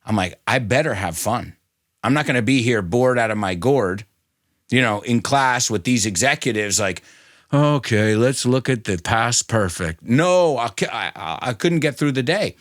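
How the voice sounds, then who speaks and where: Middle-aged US-raised man, bilingual guest, animated and chatty, close dry mic. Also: medium pitch, moderate pace, no room sound. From United States. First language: bilingual English and Spanish. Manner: animated, chatty, laughs often, many fillers. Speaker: ESL educator and podcast host, guest. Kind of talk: casual interview talk.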